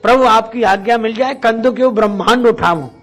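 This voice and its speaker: A man's voice: very high-pitched, a little fast, fairly bright tone, faint music behind. A man preaching a devotional Hindu discourse as a storyteller, posing rhetorical questions, acting out bits of dialogue and reciting verses. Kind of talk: devotional discourse retelling Ramayana episodes.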